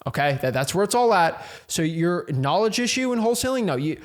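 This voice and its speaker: Young guy with a high voice pumping up wholesalers, fast casual slang, keeps repeating himself. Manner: energetic, repetitive, casual slang. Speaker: real estate wholesaling coach. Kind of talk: motivational talk to camera.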